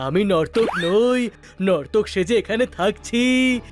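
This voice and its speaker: A man's voice: high-pitched, takes it slowly, faint music behind. A man playing an emphatic palace spy who poses as a dance teacher in a children's cartoon. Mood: earnest, conspiratorial. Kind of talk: dubbed children's cartoon acting.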